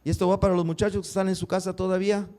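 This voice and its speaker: Pastor, male, higher voice, sermon delivery with rhetorical questions to the congregation. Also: little pitch movement, very fast, a little mellow. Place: church.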